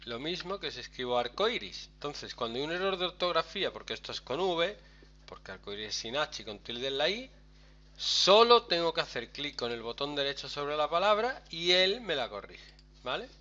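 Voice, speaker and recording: A man's voice: fairly high pitch, moderate pace. A man, teaching a class in a chatty, step-by-step way and often checking in with his students. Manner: lively, chatty, explains step by step with frequent "¿vale?". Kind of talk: screen-recorded software lesson.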